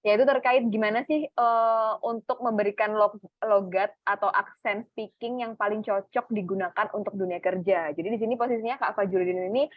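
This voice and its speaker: A woman's voice: mid-range voice, steady tone, normal speed, no echo. A young woman hosting a webinar Q&A over a video call, reading out audience questions in an upbeat way. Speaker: webinar moderator. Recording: muffled dry call audio.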